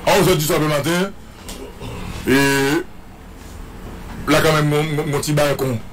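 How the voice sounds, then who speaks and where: A man's voice: on the high side, fairly even intonation, measured pace, a little hiss or hum. A man with a Haitian French accent giving a dramatic, repetitive eyewitness account, imitating the sounds he heard. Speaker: guest commentator.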